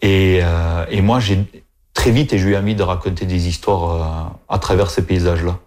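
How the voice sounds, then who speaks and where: A man with a Toulouse accent speaking in a recorded interview, reflective and unhurried, with fillers. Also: low-pitched, steady tone, a little mellow. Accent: southern French, Toulouse. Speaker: filmmaker, interviewee.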